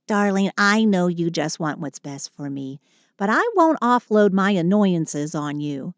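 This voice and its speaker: A woman's voice: lowish voice, expressive, measured pace, no room sound, studio quality. A woman playing a short, sulky but affectionate Christmas elf in an intimate audio roleplay, with dramatic sighing complaints and fond endearments. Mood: caring, reluctant.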